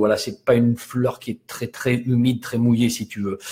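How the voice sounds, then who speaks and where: A man's somewhat breathy voice. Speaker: herbalist teacher. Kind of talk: live stream Q&A tutorial. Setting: Facebook live stream.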